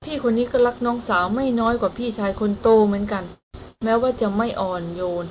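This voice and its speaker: A woman's voice: on the high side, fairly quick, a little hiss or hum, lightly acted, rough recording. A woman reading the part of a protective older brother who speaks firmly and plainly.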